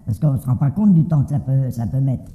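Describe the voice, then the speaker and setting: Through a very muffled, reverberant, hall-like recording, an older man gives a casual anonymous testimony at a quick pace. His medium-pitched voice has lively intonation, and his plain-spoken, colloquial speech often repeats words hesitantly.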